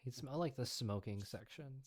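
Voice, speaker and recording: A man's voice: medium pitch, normal speed, background noise. A man running a tabletop role-playing game, moving between narration and casual banter as game master.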